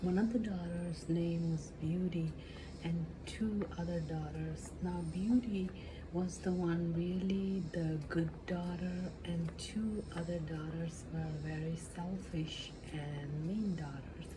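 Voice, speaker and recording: A woman telling a fairy tale as an ASMR storyteller, in simple, halting, improvised phrases. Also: lowish voice, fairly even intonation. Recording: clearly noisy background.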